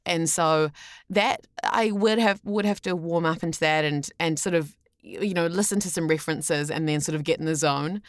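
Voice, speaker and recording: A woman with a New Zealand accent speaks in a fairly low register, recorded close and dry. She talks casually as an interview guest, recounting things in an animated, conversational way and voicing other people's remarks. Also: moderate pace, no echo. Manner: animated storyteller, often acts out quoted remarks. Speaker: podcast guest, voice actor. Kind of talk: casual anecdotal interview chat.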